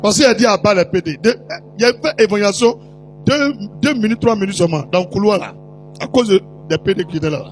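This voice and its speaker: Animated, high-voiced male preacher. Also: fast talker, faint music behind. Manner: animated, teasing, slips into put-on voices and shouts. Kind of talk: storytelling sermon to a congregation.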